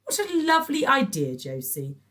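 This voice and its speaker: Woman doing a high trilling busybody neighbour, middle-aged, saccharine, pet names, storybook villain, swooping lilt. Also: wildly swooping pitch, moderate pace, a bit bright, exaggerated voice. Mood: gushing. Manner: trilling, gushing, showers everyone with pet names. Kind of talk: storybook reading.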